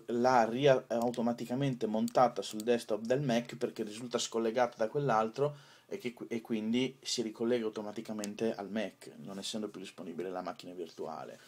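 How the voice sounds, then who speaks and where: A man presenting an informal software tutorial, improvising hesitantly with drawn-out pauses. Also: mid-range voice, fairly even intonation.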